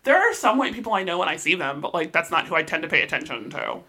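Bright animated woman podcast co-host. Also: on the low side, fast, breathy edge. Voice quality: animated, laughs often. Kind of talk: casual chat.

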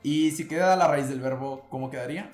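A man's voice: on the high side, brisk, a little mellow, reverberant, soft background music. A man co-hosting a podcast lesson, explaining grammar patiently and prompting his co-host with questions. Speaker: podcast co-host, Korean teacher. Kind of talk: casual language lesson.

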